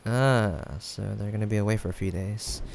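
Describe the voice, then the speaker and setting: Low, gravelly young male friend acted by a man. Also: a little mellow. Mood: casual, teasing. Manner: casual, teasing, chuckling, hesitant pauses. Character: playful, caring young male friend, teasing yet reassuring. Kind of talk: improvised audio roleplay addressed to the listener. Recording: faint background noise, rain ambience. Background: rain sound effects.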